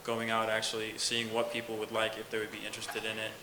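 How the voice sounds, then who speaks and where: A man's voice: on the low side, monotone, fast talker. A young man answering judges' questions off the cuff as a student contestant, recorded in an echoey, noisy room. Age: young adult. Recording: roomy, echoey, clearly noisy live recording.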